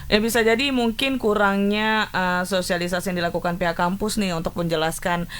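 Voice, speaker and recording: A young woman co-hosting an afternoon news talk show, chatting casually with her co-host. Her pitch sits in the middle range for a woman. She talks in a loose, conversational way and picks up energy when she tells a story. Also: steady tone, brisk, a bit bright, smooth. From Indonesia.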